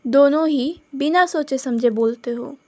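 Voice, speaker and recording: A woman voicing a sharp-tongued young woman who answers with dry sarcasm. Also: sits high, measured pace. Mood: sarcastic.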